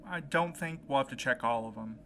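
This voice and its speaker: Audio drama lead, male actor: earnest, driven man with worry underneath, crisp bright edge, mid pitch. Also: brisk, a little hiss or hum, close to an everyday voice. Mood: urgent, insistent. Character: determined, anxious young man set on rescuing his friend. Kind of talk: naturalistic audio drama acting.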